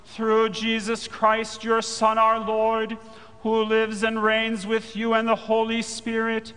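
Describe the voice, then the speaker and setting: Man intoning a prayer in cathedral echo. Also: high-pitched. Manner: slow, flat intoning. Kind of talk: liturgical prayer. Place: chapel. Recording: roomy chapel echo with organ music.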